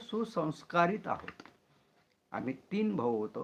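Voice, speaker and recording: Pitched high, a man's voice moves in very wide pitch swings. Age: 70s. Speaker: rural novelist and writer. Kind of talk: video announcement to viewers. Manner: halting.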